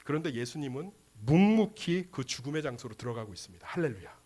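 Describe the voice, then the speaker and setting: A male pastor preaching a sermon with passion, swinging between loud exclamations and hushed lines. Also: medium pitch, sing-song, quick pace, husky.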